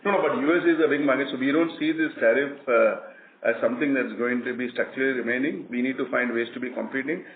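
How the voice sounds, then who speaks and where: A man answering questions as a company executive on an earnings call, explaining in halting, repetitive phrases. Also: medium pitch. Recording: tinny phone line, roomy echo, faint noise.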